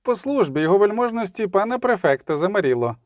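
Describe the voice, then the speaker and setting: A man reading an audiobook and voicing a brash, swaggering male outlaw who talks in rough, folksy slang and lies smoothly. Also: sits high, sing-song, fast talker, a little mellow, no echo, clean studio sound, voice pushed up. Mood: falsely hearty.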